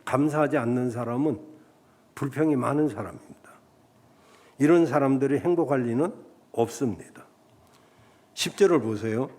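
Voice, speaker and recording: A pastor in his fifties preaching a sermon in a church, animated, rising loud when he quotes voices and dropping soft, reading scripture slowly and solemnly. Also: mid-range voice. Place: church sanctuary.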